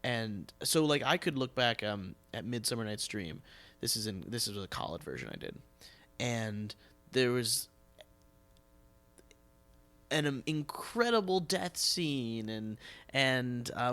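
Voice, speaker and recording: A man's voice: medium pitch, a bit bright. An American man hosting a casual interview, telling stories in an emphatic way. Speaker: podcast host, theatre director.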